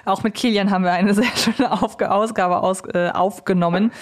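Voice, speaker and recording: Casual female podcast host, medium pitch. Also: steady tone, normal speed. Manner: informal, rambling questions with self-corrections. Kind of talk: casual conversational interviewing.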